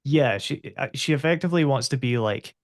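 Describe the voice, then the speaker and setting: A man casually explaining his moves as a player in a tabletop game, in a halting way. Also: mid-range voice, no room sound, studio quality.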